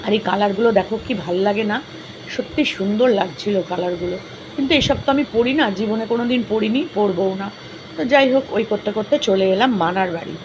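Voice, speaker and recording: An older woman narrating her vlog in a chatty, rambling, soft-spoken voice-over. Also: fairly high pitch. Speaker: vlogger. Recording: noticeable background noise.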